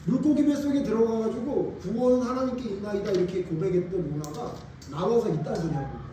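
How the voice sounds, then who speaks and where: A man's voice: sits high, quick pace, warm tone. A male pastor preaching a sermon, speaking emphatically and firing rhetorical questions at the congregation. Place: church sanctuary. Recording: echoey church hall, distant mic, faint room noise.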